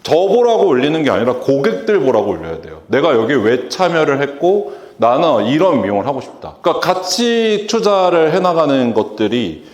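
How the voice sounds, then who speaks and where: A man's voice: a little high, sing-song, moderate pace, hardly any pauses, darkish tone. A man giving a public lecture to an audience, acting out quoted lines from customers and staff. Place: lecture hall. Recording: echoey lecture hall.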